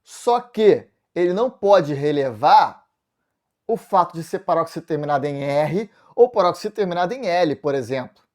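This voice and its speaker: A man's voice: on the high side, animated, normal speed, a little mellow. A man with a Brazilian accent teaching a video lesson, walking through exam answers step by step and answering his own questions. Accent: Brazilian Portuguese. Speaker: Portuguese teacher.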